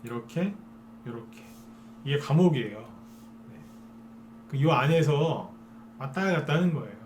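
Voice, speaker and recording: Male stock-show host, mid pitch, coaxing lecture style, faint hiss underneath. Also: animated, moderate pace. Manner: persuasive, keeps asking listeners to agree. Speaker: stock market broadcaster. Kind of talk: live stock trading lecture.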